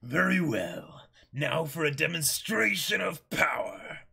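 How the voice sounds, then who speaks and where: A man's voice: fairly high pitch, expressive, takes it slowly, creaky, sharp tone, husky, heavily acted. A man voicing a boisterous, menacing pirate captain in a commanding, theatrical, gloating manner.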